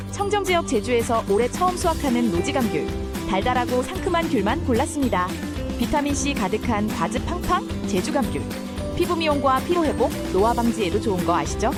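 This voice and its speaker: A woman with a high voice delivers a scripted hard-sell ad pitch over loud music. She addresses subscribers directly in an upbeat promotional style. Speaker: ad presenter.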